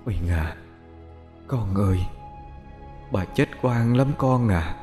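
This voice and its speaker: A man voicing the vengeful ghost of an old grandmother who speaks in a low, cold, hushed voice in a horror audiobook. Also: expressive, slow pace, big-room sound, soft background music. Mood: mournful calling.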